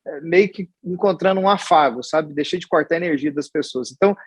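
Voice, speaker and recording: A man in his forties with a Goiás accent talks through his life story in a casual interview. His voice is husky and pitched a little higher than most men's. He rambles warmly, restarting phrases and tagging on little questions, and the sound is close and dry. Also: a little fast, dry recording. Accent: Goiás Brazilian Portuguese. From Goiás, Brazil. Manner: chatty and storytelling, with many restarts and tag questions. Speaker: guest, hospital executive.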